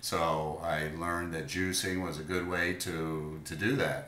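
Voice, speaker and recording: A man with a very deep, low pitch talks at a very slow pace with fairly even intonation, amid audible room echo and noticeable background noise. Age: 60s. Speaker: juicing enthusiast. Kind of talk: casual interview. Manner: hesitant, many filler words.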